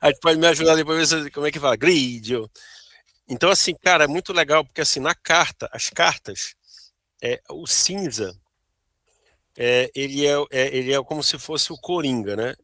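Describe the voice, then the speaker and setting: A man's voice: on the high side, moderate pace, bright, forceful tone, dry recording, clean studio sound. A Brazilian man, a board game designer, explaining his prototype over a video call, checking in with "né?" and "tá bom?". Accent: Brazilian Portuguese. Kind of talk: casual interview chat.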